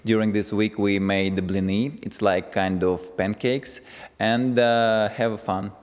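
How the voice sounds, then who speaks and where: A man from Russia, speaking in a halting way with frequent uhs. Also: on the low side, fairly even intonation. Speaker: interviewee. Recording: long reverb.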